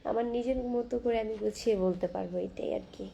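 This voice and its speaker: A young woman hosting a casual live stream from her phone, reading viewer comments aloud and chatting back in a soft, quiet voice. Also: on the high side, gravelly, lo-fi sound, a little hiss or hum. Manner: soft-spoken, talking quietly and slowly. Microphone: phone camera.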